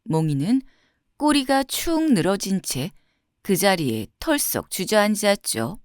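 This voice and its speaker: A woman narrating a scripted fairy tale for children in a gentle, expressive storytelling manner with clear phrasing. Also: mid-range voice, a little slow, no room sound, clean studio sound.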